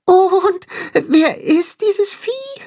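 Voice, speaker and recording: A woman voicing Tacho, an eager little young calf, in a storybook reading with a very high squeaky voice. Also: expressive, drawn-out words, darkish tone, heavily acted.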